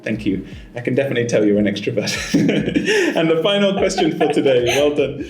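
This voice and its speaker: Man, examiner, encouraging and full of praise, lively intonation, roomy sound. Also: mid-range voice, a little fast. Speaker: IELTS examiner and teacher. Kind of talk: mock speaking test. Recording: echoey room, faint music.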